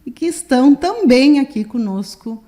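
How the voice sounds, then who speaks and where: A woman journalist hosting an interview, effusive and admiring toward her guest, with lively interjections. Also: sits high, normal speed. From southern Brazil. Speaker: journalist, host.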